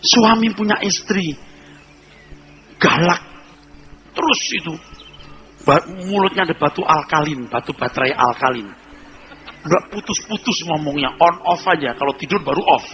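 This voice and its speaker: A male pastor preaching a humorous sermon, telling lively stories and acting out little scenes. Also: on the high side, normal speed, long pauses, soft background music, rough recording.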